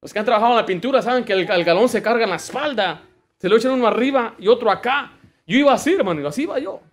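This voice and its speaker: A male pastor delivers a fervent sermon. His voice sits high for a man, and he keeps weaving in homely stories from his working days. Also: animated, very fast. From United States. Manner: fervent preaching with personal work anecdotes.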